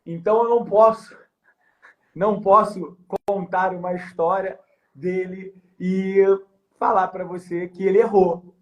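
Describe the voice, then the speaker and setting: High-voiced Rio man telling a story. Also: unhurried. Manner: animated storyteller, acts out the voices and shouts in his story. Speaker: podcast guest, former elite police officer. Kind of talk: storytelling in a casual interview.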